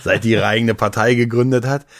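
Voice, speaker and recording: A man's voice: medium pitch, steady tone, a little fast, dry recording, studio quality. A man hosting a casual podcast chat in a jokey, rambling way, often repeating his words. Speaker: podcast host.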